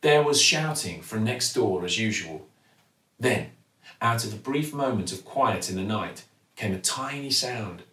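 A man's voice: fairly low pitch, animated, measured pace, pushed and bright. A middle-aged man reads a children's story with an actor's expression. He sits a little back from the mic in a roomy-sounding space. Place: living room at home, indoors. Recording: roomy, slightly distant mic.

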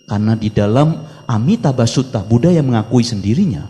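A man's voice: mid-range voice, expressive, fairly quick. A male Buddhist monk giving a dharma talk, preaching with emphatic exhortations and Mandarin chant phrases mixed in. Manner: emphatic rising exhortations, trailing off softly. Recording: long reverb of a hall.

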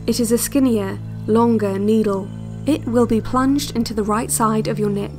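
Actress as high-voiced woman on secretive instruction cassette. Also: steady tone, over music, lightly acted. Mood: calm, instructive. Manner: measured, deliberate, instructional. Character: secretive woman narrating relaxation cassette, guiding a captive's escape. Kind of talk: scripted audio drama, guided-relaxation instruction.

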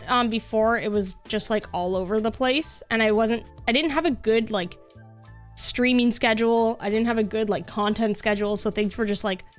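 A woman's voice: fairly high pitch, a bit bright. A young adult woman streaming a game, chatting casually in a bubbly way with lots of filler words. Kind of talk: casual chat while playing a game.

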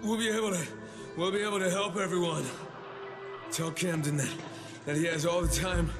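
A man's voice: high-pitched, fairly even intonation, moderate pace, close to an everyday voice. Game cutscene, male actor as a desperate young man, distant in the mix, music heavy over him.

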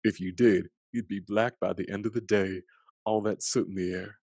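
A gentle old storybook grandfather, read by a man, speaks low and gravelly. His phrasing is folksy and honest, meant to reassure a child. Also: steady tone, normal speed, no echo. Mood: reflective.

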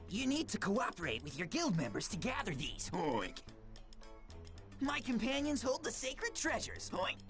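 A woman's voice: medium pitch, huge pitch swings, measured pace, faint music behind. A woman voicing an obnoxious, condescending little rodent-like mascot in a video game, bossy and cartoonish. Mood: smug, bossy. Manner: bossy, condescending, adds oinks.

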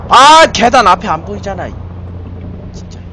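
High-voiced jumpy Korean man gaming. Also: sing-song, moderate pace, background noise. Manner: jumpy and frightened, pleading and muttering curses. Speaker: game streamer. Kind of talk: scared let's-play commentary.

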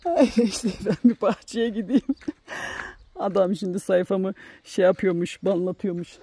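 A woman's voice: unhurried, warm tone, breathy edge, dry recording. A woman vlogging casually to her viewers outdoors in a farmyard, chatting along and cooing fondly at her chickens. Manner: chatty, coos affectionately at her chickens in a higher voice. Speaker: village life vlogger. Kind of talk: casual vlog chat to viewers.

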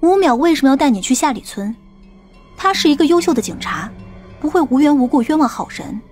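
A woman's voice: sits high, very animated, brisk, darkish tone, faint music behind. A woman playing a tough, skeptical policewoman who questions and challenges in an audiobook drama. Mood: scornful. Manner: interrogating, challenging. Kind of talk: audiobook character dialogue.

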